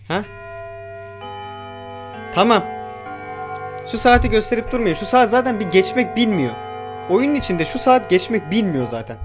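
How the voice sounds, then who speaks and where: A young man giving casual let's-play commentary on a horror game, jumpy, swearing and talking back at the game's creatures. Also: high voice. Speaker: gamer.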